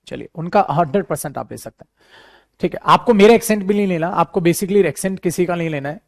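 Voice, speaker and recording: A man's voice: high-pitched, quick pace, no room sound, studio quality. A man teaching a live spoken English class, chatty and repetitive, calling his students "beta". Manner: addresses students as beta, repeats himself, chatty and animated.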